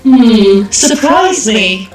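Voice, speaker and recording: A man voicing a teenage girl idol in a high, squeaky chipmunk voice for a fan voice-over of game dialogue. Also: big pitch swings, very slow, far from the mic, full character voice. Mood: chirpy. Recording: roomy echo, off-mic, music behind.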